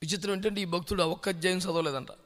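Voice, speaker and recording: Male pastor, lively sermon delivery full of rhetorical questions, voice on the higher side. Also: very fast. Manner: animated preaching with rhetorical questions and anecdotes; mixes English words into the sermon.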